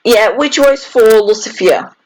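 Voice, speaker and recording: A woman's voice: a little high, unhurried, over music, rough recording. A woman in a casual group chat, a volunteer voice reader who speaks hesitantly, searching for her words. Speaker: podcast reader and voice actor.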